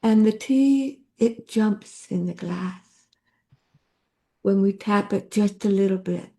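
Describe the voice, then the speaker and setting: A woman on a video call calmly leading a group through a gentle sipping exercise. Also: medium pitch. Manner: calm, soothing, slow instructions. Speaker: workshop facilitator.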